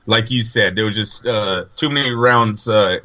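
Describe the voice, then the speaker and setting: A man's voice: fairly low pitch, moderate pace, sharp tone, dull audio. A man co-hosting a casual podcast chat, laying out his views in a laid-back, analytical way. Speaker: podcast co-host.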